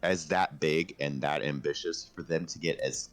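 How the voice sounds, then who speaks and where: A man's voice: rumbling low, steady tone, normal speed, soft background music. A man co-hosting a casual podcast, talking about video games in an emphatic, enthusiastic way. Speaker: podcast co-host. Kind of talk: casual video game discussion.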